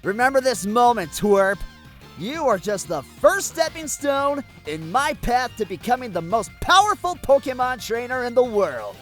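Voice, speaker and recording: A woman's voice: on the high side, sing-song, normal speed, music in the background. A woman voicing a cocky, dramatic boy villain who is grandiose, petulant and easily flustered, in a comedic cartoon fan dub. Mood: grandiose, menacing.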